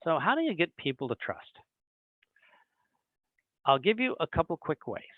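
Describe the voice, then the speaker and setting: A man leads a recruiting training talk over a video call, acting out small exchanges as he explains. His voice sits a little high and swings up and down with animation. The sound is dry and narrow, like a phone line. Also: normal speed, dry recording. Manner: animated, acts out little dialogues. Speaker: webinar presenter. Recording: dry tinny phone-like online call audio.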